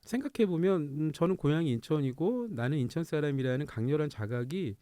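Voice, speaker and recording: A man's voice: on the high side, animated, fairly quick, mellow, no room sound. A man hosting a radio talk show, telling stories animatedly and laughing often in a studio. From Incheon, South Korea.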